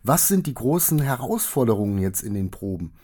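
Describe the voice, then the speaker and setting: Man, husky, slightly breathy voice, formal interviewer, measured questions, theater stage. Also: medium pitch, sing-song, mellow.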